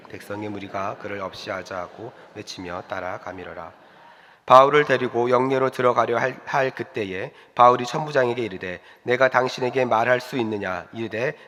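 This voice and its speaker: A man reading a Bible passage aloud in a formal, measured way during a church service. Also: medium pitch, sharp tone. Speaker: scripture reader. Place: church sanctuary. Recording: reverberant church hall.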